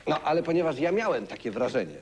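A young male talk show host asks his guest questions in a studio. His voice sits a bit high, and he circles around his questions with pauses. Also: very animated, a little hiss or hum. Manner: measured, hesitant questions. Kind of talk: casual interview. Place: TV studio set.

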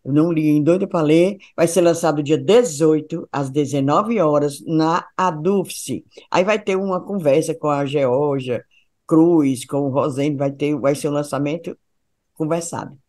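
Co-host, woman, lower voice, playful, animated asides. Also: measured pace. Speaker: podcast co-host. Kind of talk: casual podcast chat.

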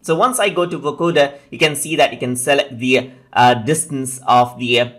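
A man presenting a software tutorial as a voice-over, explaining things step by step in an instructional way. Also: mid-range voice, moderate pace.

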